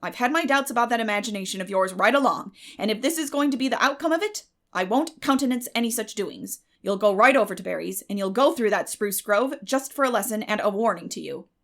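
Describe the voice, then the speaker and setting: Lady doing a strict older woman guardian, creaky voice, no nonsense, brisk scolding, audiobook style. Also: a little high, expressive. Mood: firm scolding. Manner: firm, brisk, scolding, unsympathetic. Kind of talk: dramatic audiobook character acting.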